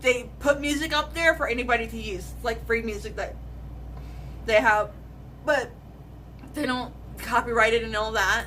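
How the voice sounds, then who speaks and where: A woman is speaking. Background noise can be clearly heard. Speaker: streamer. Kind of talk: casual live stream chat. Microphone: laptop camera.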